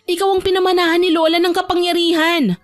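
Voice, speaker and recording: A woman's voice: very high-pitched, little pitch movement, quick pace, dry recording, faint music behind, pitched above the performer's own voice. A woman voicing a bitter, vengeful young woman in an audio drama, with a whiny, indignant, dramatic delivery. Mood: insistent.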